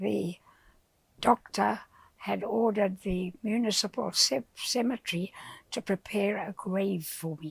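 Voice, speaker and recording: Vocal fry at a fairly slow pace, with ordinary pitch variation and a dry, close sound with no echo. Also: woman, medium pitch for a woman. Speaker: retired teacher. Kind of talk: testimony.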